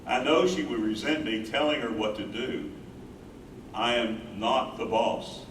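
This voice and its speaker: A man's voice: mid-range voice, unhurried, a bit bright, lightly acted. A man playing a tender, mournful aging husband and caretaker in a staged reading. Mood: weary, devoted. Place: live staged reading in an echoey room. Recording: roomy, distant, noisy stage recording.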